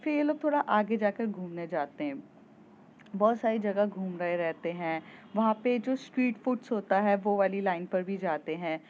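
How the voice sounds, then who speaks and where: A woman's voice: medium pitch, lively intonation, normal speed, a little mellow, a little hiss or hum. A woman telling a love story in a chatty, casual way, with fillers and repeats, on a dull lo-fi recording.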